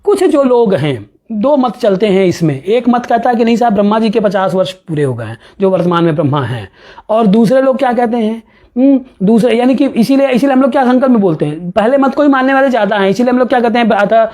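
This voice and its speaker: Reading slowly from a classical astronomy text, a male professor then explains each verse, tossing out rhetorical questions and little chuckling remarks. He sounds very high-pitched and expressive, with a somewhat dark tone.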